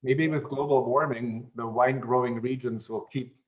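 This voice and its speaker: A man who grew up in German-speaking Europe, chatting as an interview guest in an unhurried way, with many fillers and restarts. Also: mid-range voice, steady tone, highs cut off. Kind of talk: casual interview chat.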